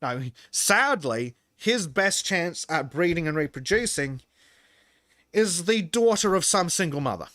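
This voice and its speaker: A man's voice: a little high, animated, unhurried, fairly bright tone, no echo, clean studio sound. A man with an Australian accent that he says mixes in American and English, lecturing bluntly and profanely in casual podcast chat. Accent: Australian, mixed with American and English. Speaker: podcast host.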